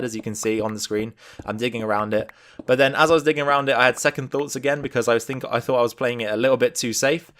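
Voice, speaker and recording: A man hosts a let's play in a medium-pitched voice. His commentary is casual and explanatory, and he thinks aloud as he works through each step of the game. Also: fairly bright tone.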